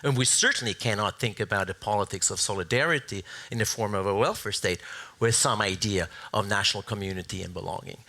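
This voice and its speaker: A man speaking as a panelist in a public debate, deliberate and professorial, often tagging his points with "right?". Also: on the low side, bright, forceful tone.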